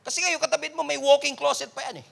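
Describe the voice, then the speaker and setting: A male pastor with a Filipino accent, preaching a sermon that mixes Tagalog and English, asking the congregation for an amen and crying out pleas loudly. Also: very high-pitched, steady tone, quick pace, gravelly.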